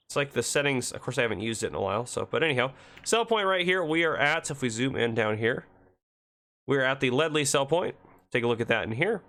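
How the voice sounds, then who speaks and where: Gravelly, congested male host, rambling game commentary. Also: mid-range voice, fairly bright tone. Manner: chatty, rambling, self-correcting. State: congested from a cold. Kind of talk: casual gameplay commentary.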